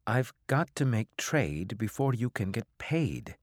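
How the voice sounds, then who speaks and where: A man's voice: medium pitch, sing-song, a little slow, no echo, clean studio sound, pitched above the performer's own voice. A man voicing a roguish alien trader captain, cheeky and breezy, in an audiobook. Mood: exasperated. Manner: glib, breezy.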